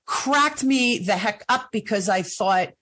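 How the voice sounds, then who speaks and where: A woman's voice: medium pitch, takes it slowly. A woman in her late fifties with a New Jersey accent, hosting a casual interview chat and telling stories with goofy humor. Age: 50s. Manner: animated storyteller, goofy humor. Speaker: podcast host.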